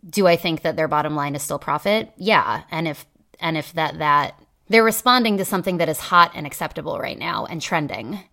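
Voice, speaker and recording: Brief: low-pitched woman podcast co-host, cynical, hedging, chatty. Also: lively intonation, a little fast, vocal fry, pushed and bright. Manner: cynical, hedging, many fillers. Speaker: teacher. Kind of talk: casual podcast chat.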